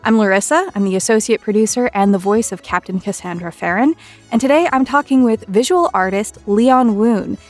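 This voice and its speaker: A woman's voice: medium pitch, fairly quick. Woman interviewer with music behind. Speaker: interviewer and host, associate producer. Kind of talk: scripted intro, then casual interview.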